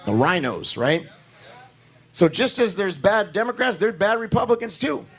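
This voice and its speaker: A man preaching a sermon to his congregation with a hoarse voice, building emphasis through repetition and calling for amens. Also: sits high, expressive, moderate pace. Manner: talks to the congregation directly, asking for amens. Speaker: pastor.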